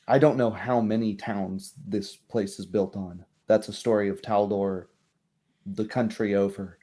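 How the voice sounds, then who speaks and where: A low-pitched, casual townswoman, acted out by a man in a tabletop roleplay. She muses hesitantly and informally, helpful and curious as she talks. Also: warm tone, lightly acted.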